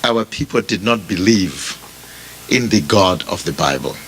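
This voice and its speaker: A man with a Zimbabwean accent preaching a sermon as a pastor, speaking deliberately and repeating phrases for emphasis as he addresses his listeners directly. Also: low voice, expressive, fairly bright tone, slight background noise. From Bulawayo, Zimbabwe. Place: funeral service before a congregation.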